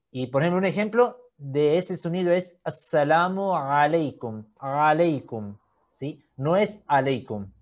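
A man teaching an online lesson, patiently demonstrating sounds and often checking in with a quick question. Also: fairly high pitch, darkish tone. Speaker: Quran reading teacher.

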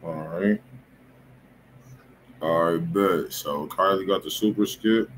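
A man's voice: sits low, sing-song, slow pace, creaky. A man hosting a live music review stream in a casual, slangy, informal way. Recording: faint room noise.

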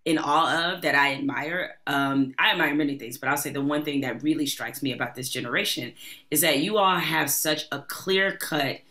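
Middle-aged host with a bright voice. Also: female voice, low-pitched. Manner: conversational, measured questions. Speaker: podcast host. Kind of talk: interview. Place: home room with bookshelves. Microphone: studio podcast mic close up.

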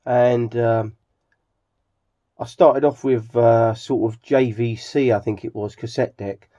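A middle-aged man with an English accent gives a casual, rambling vlog narration in a halting, hesitant manner. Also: medium pitch, steady tone, mellow. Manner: halting, hesitant, with frequent throat clearing. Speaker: hobbyist video host. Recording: slightly dull home recording.

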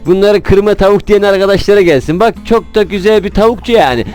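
A man's voice: high voice, quick pace, a little mellow, faint music behind. A man with a Turkish accent chatting casually to viewers as he tends his chickens in a backyard coop, talking fondly to the birds. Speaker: poultry vlogger. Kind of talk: casual chat to viewers while tending chickens.

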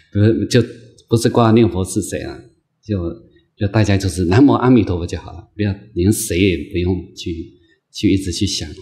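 A man, a Buddhist monk, giving an unscripted dharma lecture in a gentle, patient way, repeating phrases and filling pauses with soft drawn-out sounds. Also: deep voice. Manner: gentle, repetitive phrasing with many drawn-out "ah" fillers; slow, patient, coaxing delivery.

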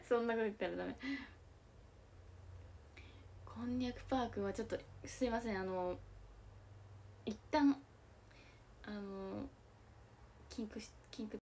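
Young woman, slightly high voice, casual live-stream commentary, excitable, reacts aloud, sometimes whispers. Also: slow, long pauses, slight background noise. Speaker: idol streaming live reactions to a baseball game.

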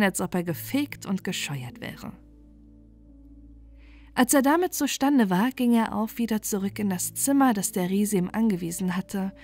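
A woman reads a fairy tale aloud for falling asleep, calm and soothing at a middling pitch. Her delivery stays even and gentle throughout. Soft music sits faintly underneath. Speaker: storyteller. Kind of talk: bedtime fairy-tale narration.

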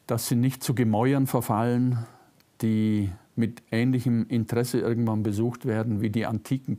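An older man with a faint Bavarian-Swabian German accent, reading a prepared lecture as a philosopher, measured and reflective, lifting his voice on key words. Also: mid-range voice, mellow. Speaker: philosopher giving a public lecture. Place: lecture room, seated at a desk. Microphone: lapel mic.

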